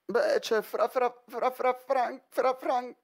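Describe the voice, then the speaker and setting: A woman's voice: on the high side, steady tone, takes it slowly. A woman voicing a whiny, easily frightened young schoolboy in a cartoon fandub, stammering and exclaiming. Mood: panicked. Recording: music behind the voice.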